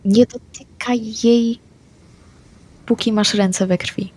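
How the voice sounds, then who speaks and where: A woman playing a tabletop game, speaking her character's lines in a brisk, matter-of-fact way. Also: on the high side, fairly even intonation, darkish tone, husky. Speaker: player.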